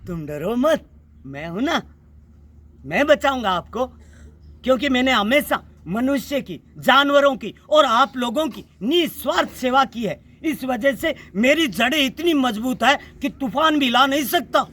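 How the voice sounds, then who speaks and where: A man's voice: very high-pitched, lively intonation, a little slow, fairly bright tone, full character voice. A man voicing a brave protective tree. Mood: reassuring. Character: kind protective old tree, steady and brave.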